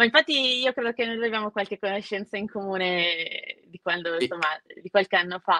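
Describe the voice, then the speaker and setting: Her loudness swings widely as this woman talks fairly quickly at a medium pitch. Her tone is bright and sharp, with lively intonation. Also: dry, close sound with no echo. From Milan, northern Italy. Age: 30s. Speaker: food blogger. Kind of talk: casual chat.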